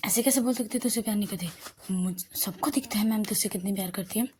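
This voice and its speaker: A woman's voice: mid-range voice, quick pace, darkish tone, a little hiss or hum, natural voice. A woman voicing a protective young woman friend who presses with repeated, insistent questions. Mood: indignant. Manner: scolding then soothing, insistent questions.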